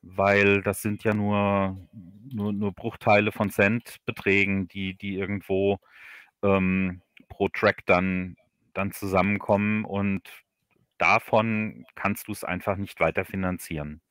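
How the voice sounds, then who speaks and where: A man speaking casually as a guest in a livestream interview, halting and repeating words as he searches for phrasing. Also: lowish voice, flat delivery, fairly bright tone, no room sound, clean studio sound. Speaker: guest, audio drama author.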